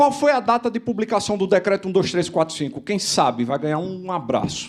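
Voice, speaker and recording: In a northeastern Brazilian accent, a man with a high pitch talks at a fairly quick pace in an animated tone, with very wide pitch swings. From Brazilian Northeast, Alagoas (Maceió). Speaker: sport shooting federation president and lawyer. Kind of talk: speech at public hearing. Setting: legislative assembly hearing with audience.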